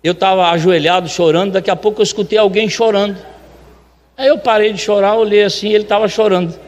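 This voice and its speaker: A man tells a testimony with lively, acted-out dialogue. His voice sits high for a man. A long hall reverb trails each phrase. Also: fast. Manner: animated, acts out dialogue. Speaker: restaurant owner giving a testimony. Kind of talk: church testimony storytelling.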